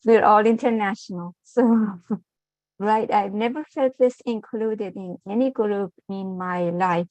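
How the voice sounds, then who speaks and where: Slow-speaking woman of sixty. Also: medium pitch, darkish tone, dry recording, low-quality recording. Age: 60s. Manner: hesitant, with frequent ums. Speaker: participant on a call.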